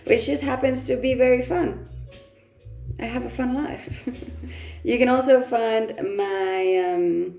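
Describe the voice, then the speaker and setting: Woman from Denmark, casual livestream host, lots of vocal fry, roomy echo, faint music under her. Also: a little high, takes it slowly, pauses often, warm tone. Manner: laughs often, chatty and self-amused. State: blocked nose from blowing it a lot. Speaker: livestreamer reading chat. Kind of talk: casual morning livestream chat.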